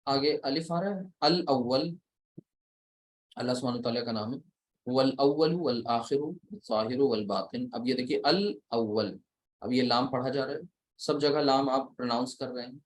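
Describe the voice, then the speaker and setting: A man teaching Arabic grammar in a slow, deliberate lecture, counting letters one by one as he writes them on a board, with a South Asian Urdu-Hindi accent. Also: medium pitch, poor audio. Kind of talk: recorded lecture at a writing board.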